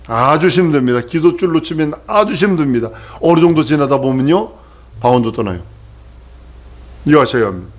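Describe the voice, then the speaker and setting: A man's voice: a little high, lively intonation, a little fast. A male pastor preaching a sermon with emphatic repetition, often turning to ask the congregation questions.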